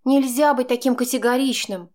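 A woman reader voicing a young woman who bristles and argues heatedly with her partner, in a much higher voice than her own. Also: fairly even intonation, a little mellow, natural voice. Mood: indignant. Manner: indignant, quick to flare up.

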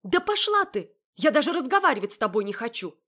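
A woman's voice: sing-song, quick pace, slightly rough, exaggerated voice. A woman playing a furious, indignant young woman. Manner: loud, indignant, high-pitched outbursts. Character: heated young woman arguing with her sister.

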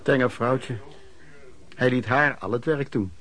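An actor narrating a Dutch radio play as a reflective vagrant, in measured, formal, scripted sentences. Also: male voice, mid-range voice, fairly bright tone, lightly acted. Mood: rueful, reflective. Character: earnest, rueful vagrant narrator recalling lodging-house life.

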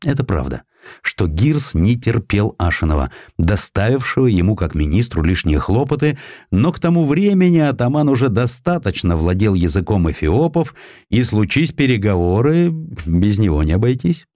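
A man reading a scripted historical narrative as an audiobook, in an expressive, dramatized storytelling manner. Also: on the low side, normal speed, dry recording, clean studio sound.

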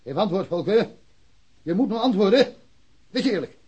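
A blunt, husky, impatient policeman. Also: high voice, sing-song, moderate pace, warm tone, lo-fi sound, exaggerated voice. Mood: urgent. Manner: blunt, swearing, familiar. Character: blunt, impatient male policeman, familiar and exasperated. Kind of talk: radio drama acting.

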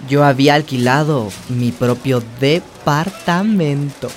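A woman's voice: low voice, takes it slowly. A woman playing a hopeful, sensitive young trans woman who confides her life story in a radio drama. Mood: reflective narrating. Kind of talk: radio drama narration and dialogue.

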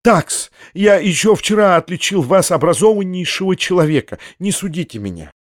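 A man's voice: high-pitched, animated, moderate pace, no echo, clean studio sound. A man reading an audiobook, voicing a weak young man pleading and making excuses. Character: weak young man, desperate and self-pitying.

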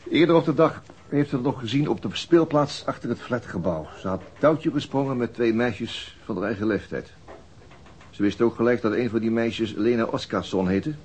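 An actor playing a methodical, sober police detective in a radio drama. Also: male voice, lowish voice, darkish tone, a little hiss or hum, lightly acted.

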